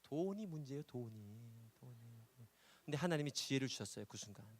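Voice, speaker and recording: A man's voice: mid-range voice, animated, fairly quick, slightly rough. A male pastor preaching a sermon, telling a story and repeating key words for emphasis, often checking in with the congregation. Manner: prompts the congregation with "예?".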